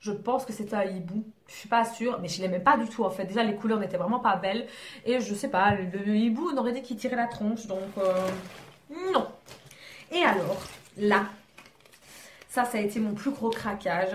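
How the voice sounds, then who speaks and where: A chatty young woman talks through her purchases in a loose, self-mocking way, often trailing off into fillers. Her voice sits at a middling pitch. The room around her is echoey, with faint noise underneath. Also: steady tone, normal speed. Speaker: beauty vlogger. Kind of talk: casual haul chat.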